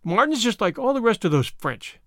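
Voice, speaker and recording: A man voicing a stern, practical older woman guardian who speaks in a scolding, brisk way. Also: high voice, sing-song, bright, forceful tone, no echo, clean studio sound, pitched above the performer's own voice, exaggerated voice. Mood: disapproving.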